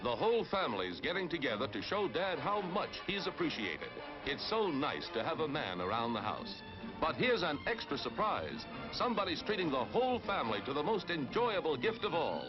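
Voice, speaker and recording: A man's voice: a little high, wildly swooping pitch, normal speed. An American man as announcer, reading a scripted vintage cinema promo. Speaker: advertising announcer. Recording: dull old film soundtrack with music.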